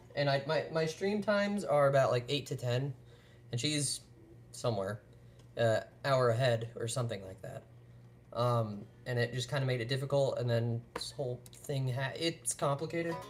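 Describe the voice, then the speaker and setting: Somewhat breathy and at a medium pitch, a man speaks at a moderate pace with ordinary pitch variation and long, frequent pauses. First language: Russian. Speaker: livestreamer, guitar player. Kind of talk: casual live stream chat.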